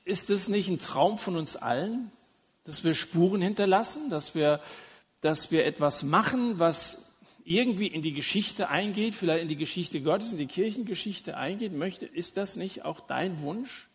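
A man preaching an earnest, inviting sermon and speaking directly to his listeners. His voice sits fairly high and sounds a little husky. A long reverb from the church hall trails behind his words. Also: expressive, normal speed. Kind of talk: evangelistic sermon.

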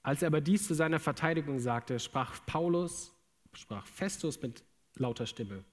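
A young man with a slightly raised voice preaches a sermon in a relaxed, humorous way, full of everyday slang. His voice carries a long reverb from the large hall around him. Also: on the high side, normal speed. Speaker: preacher, theology student. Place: large room with an audience.

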